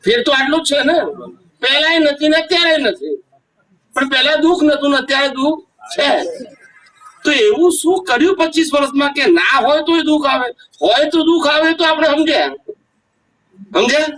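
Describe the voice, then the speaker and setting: A man's voice: very high voice, normal speed, a bit bright. A man giving a devotional discourse to a gathering as a spiritual teacher, telling stories, asking rhetorical questions and often checking that his listeners understood. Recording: voice picked up from a distance.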